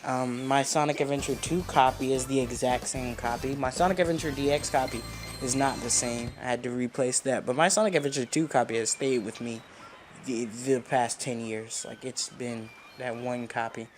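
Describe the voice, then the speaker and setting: A young man hosts a let's play in a loose, informal way. He rambles casually, as if chatting to friends, while game music plays clearly underneath. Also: medium pitch, steady tone, moderate pace. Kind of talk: casual gameplay commentary.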